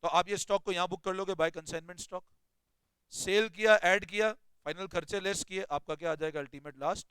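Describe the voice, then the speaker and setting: Guy teaching accounts, high bright voice, keeps asking the class if they got it, dry room. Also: normal speed, clear, resonant tone, no echo, rough recording. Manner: questioning the class, explains step by step. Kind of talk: classroom lecture.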